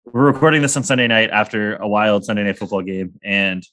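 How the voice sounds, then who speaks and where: A man's voice: on the low side, a little fast, a bit bright. A young man hosting a sports podcast in casual chat, rambling and joking with crude humor. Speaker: podcast host.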